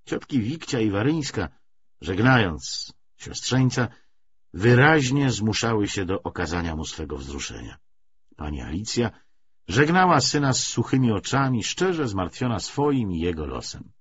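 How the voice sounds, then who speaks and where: A male narrator reads literary prose with measured expression. His voice is on the low side and a bit husky, with a lively melody. The recording sounds slightly dull. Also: no echo. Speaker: audiobook narrator.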